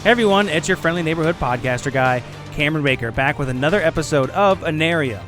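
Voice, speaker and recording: A man's voice: fairly high pitch, animated, fast, fairly bright tone. A man giving a casual podcast intro and recap in an informal, conversational way. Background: music under the voice.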